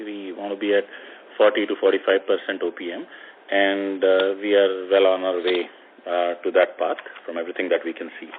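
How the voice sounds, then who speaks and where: A man, an executive giving measured answers on an earnings call. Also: lowish voice. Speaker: company executive. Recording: phone line.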